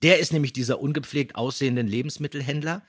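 Guy podcast host, middling pitch, husky, casual storytelling. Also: fast talker, a bit bright. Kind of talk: casual conversational anecdotes.

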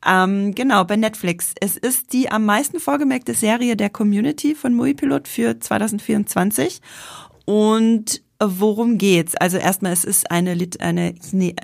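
A woman's voice: medium pitch, normal speed, gravelly, no echo, studio quality. A woman with an Austrian accent, chatting casually on a podcast about an upcoming series, with many fillers and restarts. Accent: Austrian German. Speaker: podcast co-host, film journalist.

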